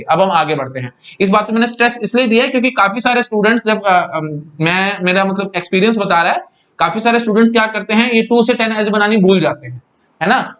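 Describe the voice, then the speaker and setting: Fast, high-voiced male teacher. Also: a bit bright. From India. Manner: repetitive, keeps asking "samajh pa rahe ho?" and "kyon?"; mixes English terms into Hindi speech. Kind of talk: lecture on discrete maths for an exam.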